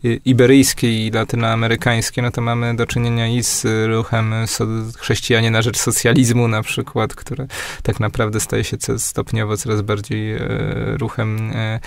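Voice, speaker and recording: A man from Poland, a guest historian, explaining at length in a hesitant academic way, with frequent pauses and restarts. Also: lowish voice, monotone, creaky, no room sound. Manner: many fillers and restarts, measured.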